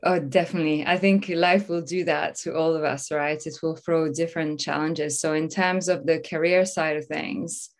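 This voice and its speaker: French woman in her 30s, low voice, talks freely with lots of ums. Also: steady tone, normal speed, few pauses. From France. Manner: enthusiastic, storytelling, many fillers. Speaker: guest. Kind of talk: casual interview talk.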